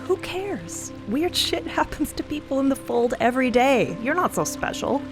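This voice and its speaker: A woman's voice: high-pitched, lively intonation, moderate pace. An actress playing an earnest, loyal, teasing young woman friend in an audio drama, speaking casually and with feeling. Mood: teasing affection. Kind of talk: dramatic audio fiction acting, conversational. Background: music and rain sounds.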